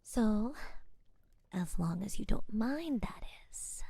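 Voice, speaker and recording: A woman playing a gentle, reassuring witch healer in a soft-spoken ASMR roleplay, breathy and soothing, close to the microphone. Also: mid-range voice, expressive, no echo, exaggerated voice. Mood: soothing, attentive. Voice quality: breathy, mostly whispered. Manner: slow, soothing, hesitant, repeats reassurances.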